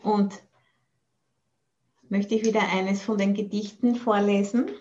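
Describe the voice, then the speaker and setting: A woman's voice: medium pitch, fairly even intonation, a little slow, darkish tone. An Austrian woman meditation teacher giving a dharma talk in a reflective way, often searching for her words. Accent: Austrian German. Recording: dull lo-fi sound.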